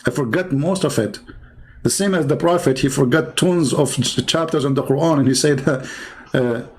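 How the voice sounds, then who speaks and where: Sarcastic middle-aged guy riffing on a website, slightly high voice, broken english, mocking tone. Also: normal speed, a little mellow, a little hiss or hum, rough recording. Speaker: online religious debater. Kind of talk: sarcastic commentary reading from a website.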